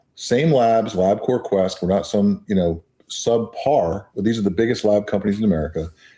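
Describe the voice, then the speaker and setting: A man speaks in a normal speaking voice at a moderate pace and a fairly low pitch. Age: 60s. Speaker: company CEO, former football player. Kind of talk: interview.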